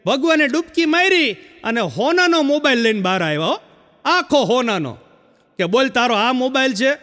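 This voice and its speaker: A male comedian telling a long stage joke and chanting parts of it in a lower voice. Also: sing-song, moderate pace, a bit bright, big-room sound.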